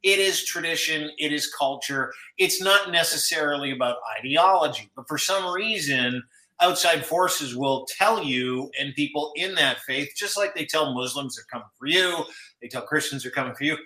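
Bright, casual man in an echoey room. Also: on the high side, normal speed. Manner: casual, says "right?" often. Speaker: podcast co-host. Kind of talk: casual political discussion.

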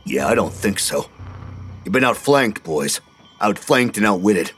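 A man voicing a bitter, boastful old male war veteran with a gruff, taunting voice. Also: fairly low pitch, animated, measured pace, fairly bright tone, a little hiss or hum.

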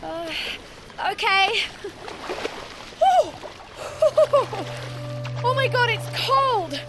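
A woman playing a nervous, eager-to-please young woman who squeals when excited. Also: mid-range voice, normal speed, over music.

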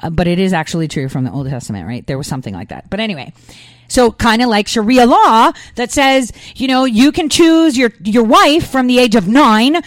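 A woman's voice: a little high, animated, a little fast, no room sound. A woman from the United States giving emphatic political commentary, peppering her talk with fillers and rhetorical questions.

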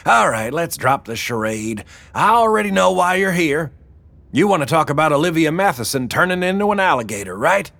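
A man reading an audiobook, voicing a loud, crude older woman who leads an eco-gang and bellows and cackles. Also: on the high side, lively intonation, fairly quick, vocal fry, dry recording, voice pushed up, heavily acted. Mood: mocking.

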